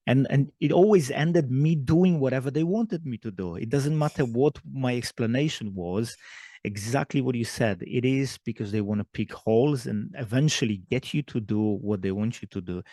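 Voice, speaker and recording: A man's voice: medium pitch, dark tone, dry recording. A man hosting a podcast interview, speaking casually with a slight mumble and correcting himself. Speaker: podcast host. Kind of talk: conversational interview.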